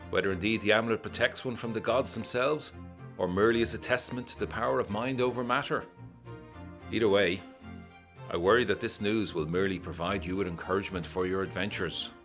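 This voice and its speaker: An actor playing an indignant, worried 1920s gentleman, reading his letter in formal period diction with measured, dramatic emphasis for a gothic audio drama. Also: lowish voice, steady tone, faint music behind. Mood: worried, brooding.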